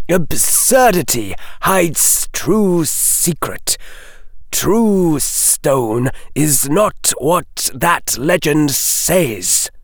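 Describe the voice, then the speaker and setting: A man reading an audiobook voices a cold, cryptic professor in snake form who hisses his words slowly, clipped and with deliberate pauses. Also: on the high side, dry recording, studio quality, voice pushed up, full character voice. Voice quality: slow, creaky and hissing.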